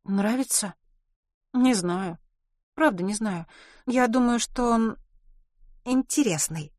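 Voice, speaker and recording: A woman reading an audiobook and voicing a shy, wry eighteen-year-old girl who speaks hesitantly and teases gently. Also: on the high side, takes it slowly, dry recording, clean studio sound, voice pushed up.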